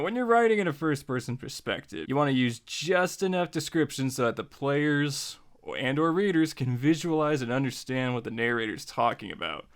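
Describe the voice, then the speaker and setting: A man's voice: fairly high pitch, clean tone. An American man giving a casual tutorial, speaking in a jokey, conversational way straight to the listener. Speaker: host of a writing tutorial series.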